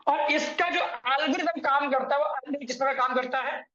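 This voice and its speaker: With an extremely high pitch and a pushed, bright tone, a man talks a little fast as he explains an earning plan. He calls his viewers friends again and again and corrects himself on numbers. The recording comes from an echoey room and sounds dull and lo-fi.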